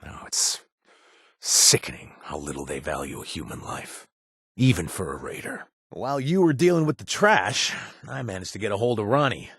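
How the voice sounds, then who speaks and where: An actor voicing an easygoing, money-minded bartender ally in a video game, chatty, with lots of little chuckles and filler words. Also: male voice, fairly low pitch, sing-song, normal speed, fairly bright tone, slightly rough, dry recording, clean studio sound, full character voice. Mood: earnest. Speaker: game companion character. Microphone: close studio mic, dry.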